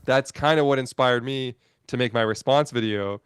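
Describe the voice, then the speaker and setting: Casting: man, smooth resonant voice, dry sound, loose rambling chat over a call. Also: medium pitch, moderate pace, no echo. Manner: rambling, restarts and self-corrections. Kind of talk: casual chat on a live stream.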